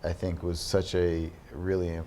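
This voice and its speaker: A man being interviewed in a studio as an artist, explaining his work in thoughtful, halting sentences. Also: low voice, monotone, mellow, a little hiss or hum. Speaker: artist guest.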